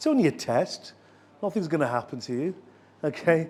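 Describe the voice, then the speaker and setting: A man talks at a moderate pace in an English accent. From northern England, Liverpool. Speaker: professor and education consultant. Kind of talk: informal talk to students. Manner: halting, repetitive.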